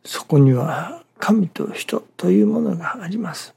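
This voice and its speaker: A minister giving a morning sermon in a halting, measured way, breaking phrases with pauses and dropping some words to a near-whisper. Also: mid-range voice, lively intonation, vocal fry, mellow, breathy edge.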